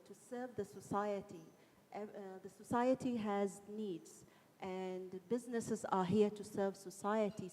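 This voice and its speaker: Soft-voiced woman panelist. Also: mid-range voice. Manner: hesitant, many fillers. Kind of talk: panel discussion. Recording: echoey conference hall.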